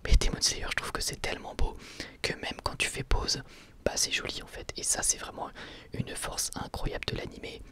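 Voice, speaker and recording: Male ASMR reviewer: sustained whisper, bright edge, casual halting phrasing. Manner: whispering throughout, hesitant informal delivery. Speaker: ASMR YouTuber reviewing anime.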